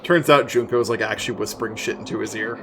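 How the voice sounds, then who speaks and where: A man's voice: on the low side, quick pace, a crowd in the background. A man in a group game stream, bantering and joking casually.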